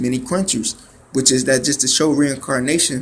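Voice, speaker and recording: A man's voice at a medium pitch with fairly even intonation and audible room echo. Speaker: street preacher teaching scripture. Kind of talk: religious lesson. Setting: in a bathroom at work. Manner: halting, many fillers.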